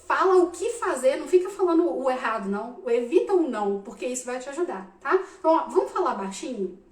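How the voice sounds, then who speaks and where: A woman in her thirties, a psychologist giving animated casual advice to parents, often checking in with "tá?". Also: sits high, quick pace. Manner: animated, addresses listeners directly with frequent "tá?". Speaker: psychologist answering parents' questions. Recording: roomy echo, mic at a distance.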